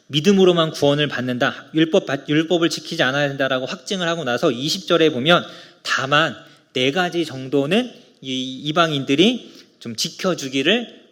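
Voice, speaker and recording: A middle-aged man delivers a sermon in a church in an earnest, conversational way and often puts questions to his listeners. His voice sits a little higher than most men's. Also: fairly bright tone. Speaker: pastor. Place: church sanctuary.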